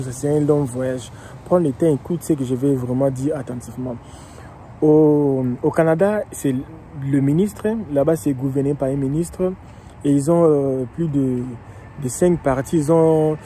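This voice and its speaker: A man from Congo who vlogs about immigration, explaining slowly and repetitively with many hesitations, outdoors in a city. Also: on the high side, mellow, slight background noise. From Democratic Republic of the Congo. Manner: slow and repetitive, with frequent hesitations and restarts. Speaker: immigration vlogger and coach. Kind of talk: casual explanatory monologue.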